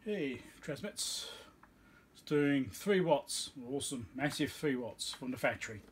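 A man's voice: medium pitch, expressive, a little slow, slight background noise. A man giving casual bench commentary as he works, thinking aloud in an offhand, muttering way like a repair technician. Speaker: electronics repair technician and video host. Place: small cluttered indoor electronics workbench.

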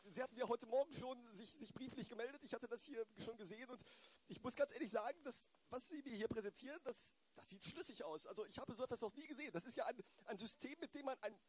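A man playing a fussy male lawyer in an improvised comic audio drama, halting and repeating himself. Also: very high-pitched, slight background noise. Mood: courteous, amazed. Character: high-voiced, fussy male lawyer, beer enthusiast.

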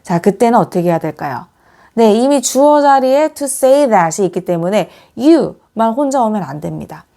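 A woman teacher giving an English grammar lesson, explaining step by step and reading the example sentences slowly and clearly. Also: on the high side, lively intonation, dark tone. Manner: patient, explains step by step with many "자" prompts.

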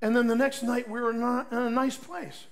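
An older man, a pastor, preaching a sermon in a folksy storytelling way, swinging between loud emphatic peaks and soft asides. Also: very high voice, flat delivery, normal speed, creaky.

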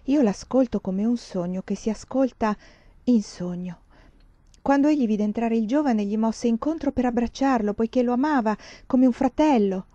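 A woman reading a novel aloud in a theatrical way, rising to loud outbursts and sinking to hushed tones. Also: a little high, normal speed, no room sound, muffled recording. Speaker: audiobook reader. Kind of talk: dramatic audiobook narration.

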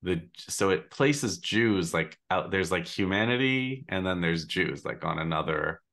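A man in his fifties with a low voice hosts a casual conversation over a video call. He thinks aloud, pausing and restarting as he works toward his point, and his voice comes through a simple webcam mic at home. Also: animated, a bit bright. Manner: thoughtful, searching for words, gestures a lot. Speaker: podcast host and analyst.

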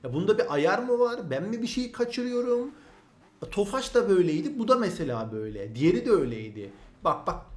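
Excitable high-voiced man, echoey room. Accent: Turkish. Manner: excitable, chatty, says "abi" a lot. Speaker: gaming channel host. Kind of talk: casual gameplay commentary.

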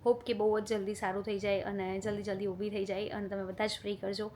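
A woman's voice: mid-range voice, flat delivery, quick pace, slight background noise. A young woman talking casually to camera in a family vlog at home, filmed on a phone. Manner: chatty, talks warmly to a small child then softly to camera. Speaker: vlogger.

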